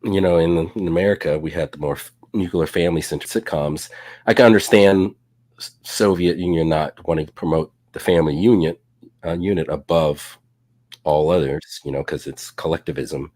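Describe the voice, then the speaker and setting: A man's voice: low-pitched, moderate pace, dry recording. A man co-hosting a live show, talking casually with lots of fillers and jokes. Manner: relaxed, many fillers, jokey. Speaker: co-host. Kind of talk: casual live-stream discussion.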